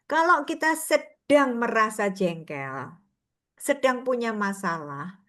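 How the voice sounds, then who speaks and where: A woman's voice: fairly high pitch, expressive, takes it slowly, sharp tone. An older woman giving an informal sermon to a prayer group, chatty and anecdotal, often laughing between stories.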